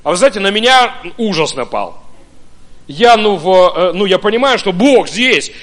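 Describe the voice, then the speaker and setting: A pastor from Ukraine preaching a sermon, telling his own story in an animated way with many hesitant fillers. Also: sits high, normal speed. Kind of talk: sermon with personal testimony.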